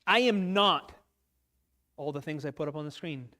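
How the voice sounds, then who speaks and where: A man's voice: a little high, moderate pace, pushed and bright. A man giving an earnest, emotional sermon to other men in a church, his voice catching as he speaks. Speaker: lay preacher at a men's church talk. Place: church sanctuary.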